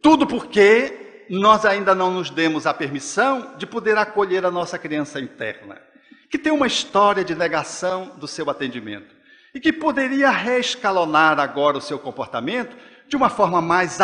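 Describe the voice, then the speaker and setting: A man with a Brazilian accent lectures at a spiritist gathering in a high voice. He is expressive and slips into the gentle voice of a parent talking to a child. His voice rings with the long reverb of a lecture hall. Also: normal speed. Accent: Brazilian Portuguese. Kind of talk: spiritist talk.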